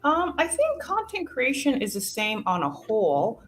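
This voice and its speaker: A woman's voice: sits high, huge pitch swings, normal speed, soft background music. Sassy, encouraging woman, content creator. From Jamaica, raised in Canada. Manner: sassy and encouraging, says "honey". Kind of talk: casual interview talk.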